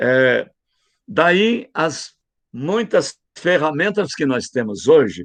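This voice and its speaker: A man's fairly high pitch with vocal fry, very wide pitch swings and a very slow pace. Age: 70s. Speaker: pastor. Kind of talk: sermon. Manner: animated.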